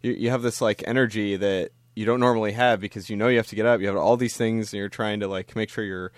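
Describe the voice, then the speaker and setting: A man's voice: on the low side, fairly even intonation, fast talker, dry recording, clean studio sound. A man co-hosting a radio talk show, reassuring and thoughtful in casual chat.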